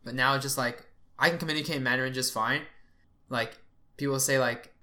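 A young man from Canada who grew up speaking Cantonese, co-hosting a podcast in casual, animated, sweary chat. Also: mid-range voice, brisk. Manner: animated, swears freely, lots of "like". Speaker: podcast co-host.

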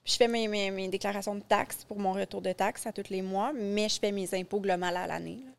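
A woman's voice: medium pitch, fairly even intonation, brisk, vocal fry. A woman with a Québécois French accent, a podcast guest chatting casually and explaining things at length. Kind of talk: casual interview chat.

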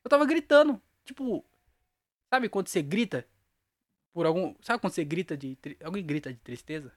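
A man's voice: on the high side, animated, moderate pace, no echo, clean studio sound. A young man, hosting his podcast alone and telling a long, rambling story in slangy talk, laughing at himself. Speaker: podcast host. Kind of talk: casual solo podcast storytelling.

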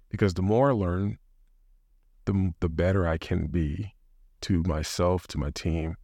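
A man's voice: low voice, a little mellow, no echo, clean studio sound. A man in his thirties hosting a solo podcast, talking casually and rambling with many restarts and fillers. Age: 30s. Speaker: podcast host.

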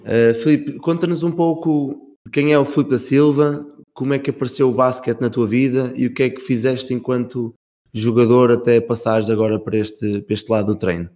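A man hosting a podcast interview, greeting his guest and asking brisk questions. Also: medium pitch, fairly even intonation, dark tone. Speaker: podcast host.

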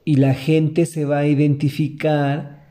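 A man's voice: a little high, little pitch movement, a little slow, mellow. A man with a Mexican accent hosting a podcast, talking in an earnest, motivational way straight to the listener. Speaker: podcast host. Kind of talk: reflective podcast monologue.

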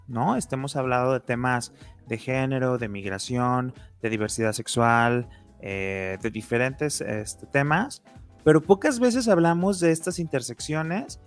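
A man from Mexico hosts a radio interview in a loose, chatty way. He fills his questions with hesitations and restarts, and soft music plays faintly underneath. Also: medium pitch. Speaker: podcast host.

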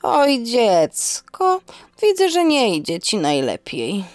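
A woman voicing a grumbling, folksy elderly aunt in an audio drama, scolding yet affectionate, with exclamatory, drawn-out speech. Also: fairly high pitch, wildly swooping pitch, no echo, pitched above the performer's own voice, full character voice. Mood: concerned.

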